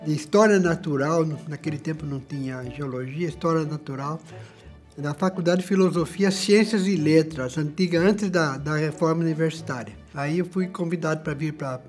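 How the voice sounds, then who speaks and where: A man's voice: on the high side, normal speed, darkish tone, faint music behind. An older man and former museum director, speaking hesitantly with many restarts in a documentary interview.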